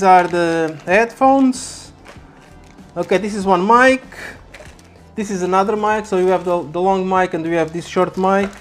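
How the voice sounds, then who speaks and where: Casting: casual product-unboxing vlogger, halting and repetitive phrasing, music underneath. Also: mid-range voice. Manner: halting, repeats words. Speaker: YouTube vlogger. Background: background music.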